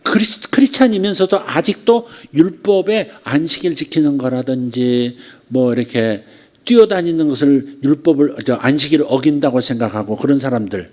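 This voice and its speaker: A pastor preaches in a conversational style, his voice mid-range, animated and fairly dark in tone. He asks rhetorical questions and performs quoted lines, stretching them out through repetition.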